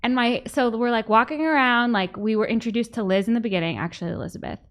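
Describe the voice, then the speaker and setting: A woman hosting a podcast, chatting casually in bubbly, quick bursts. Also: a little high, fairly bright tone. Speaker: host.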